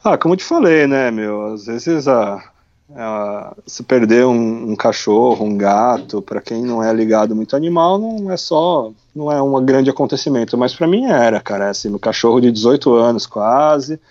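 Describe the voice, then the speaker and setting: A Brazilian man tells a story in a relaxed, animated way, with lots of slang fillers. His voice sits at a medium pitch. The recording sounds a little muffled. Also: moderate pace. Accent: Brazilian Portuguese. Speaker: podcast guest, cycle traveler. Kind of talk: casual storytelling.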